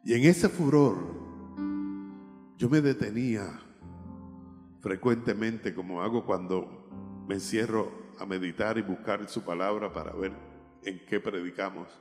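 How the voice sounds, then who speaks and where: A man's voice: lowish voice, a little slow, pauses often, music in the background. Man, pastor, emotional sermon testimony, long hall reverb, faint instrument behind. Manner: emotional storytelling, voice rising and dropping. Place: church.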